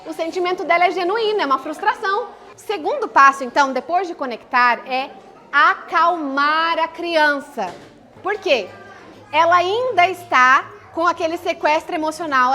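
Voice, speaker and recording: A woman's voice: high voice, pushed and bright. A woman giving a live parenting talk, explaining in a conversational way, often posing a question and then answering it herself. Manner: explanatory, poses and answers her own questions. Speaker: parenting speaker.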